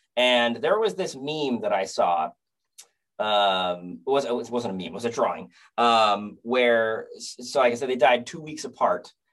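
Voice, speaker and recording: An unremarkable speaking voice from a man with an American accent, medium in pitch, with lively intonation, big swings in loudness and a fairly slow pace. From upstate New York. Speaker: podcast guest, former radio colleague. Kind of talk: casual chat.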